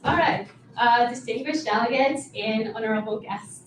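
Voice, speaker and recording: High-voiced woman from Brazil giving a speech. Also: moderate pace, slight background noise. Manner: earnest, with fillers. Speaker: education advocate. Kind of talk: prepared speech. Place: conference hall. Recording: echoey room, distant mic.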